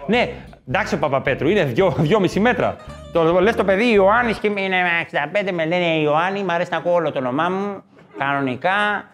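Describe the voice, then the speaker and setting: A man with a high voice performs a stand-up comedy monologue. He riffs from one joke to the next, mimics people shouting names, and throws in quick asides. Faint guitar music plays underneath. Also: animated.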